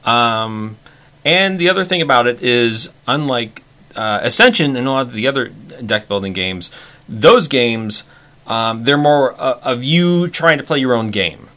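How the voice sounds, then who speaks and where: A man co-hosting a casual board game chat, halting with frequent restarts. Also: medium pitch, animated, pushed and bright. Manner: halting, many restarts and fillers. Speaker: podcast co-host.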